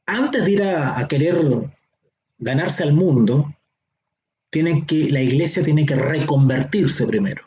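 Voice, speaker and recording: A man with a Chilean accent, his voice a little higher than most men's, teaches a Bible seminar in a slow, deliberate way. He drags out the words that matter and keeps asking if everyone is following. A faint hiss sits under his voice. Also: mellow, lo-fi sound. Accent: Chilean Spanish. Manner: explains slowly, stretching key words, with frequent checks like "¿ya?". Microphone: online class or teleconference.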